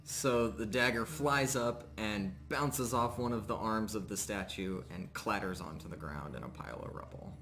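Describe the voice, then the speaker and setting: A man working as game master, improvising descriptive narration for a tabletop game in a relaxed, pausing way. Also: on the low side.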